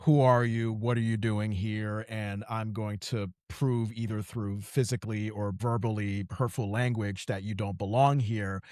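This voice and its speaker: A man hosting a podcast, from Connecticut, telling stories in lively, casual conversation with frequent restarts. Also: lowish voice, unhurried, few pauses, no room sound, clean studio sound. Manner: animated storytelling, frequent restarts. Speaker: podcast host.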